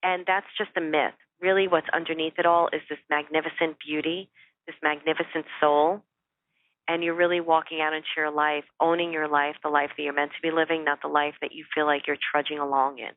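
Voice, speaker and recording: A woman's voice: sits low, little pitch movement, brisk. Earnest woman guest on a telephone line. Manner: earnest, emphatic. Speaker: interview guest, spiritual teacher. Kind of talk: conversational motivational advice. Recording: phone-like, narrow-band dry call audio.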